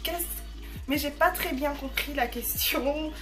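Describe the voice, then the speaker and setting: A woman's voice: sits high, slow, over loud music. A woman in her early twenties chatting casually to camera as she answers viewer messages, bubbly and full of slangy fillers.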